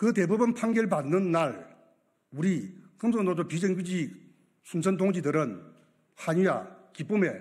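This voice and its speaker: With audible room echo, a man speaks at a fairly slow pace and high pitch. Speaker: labor union official. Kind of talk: press conference statement.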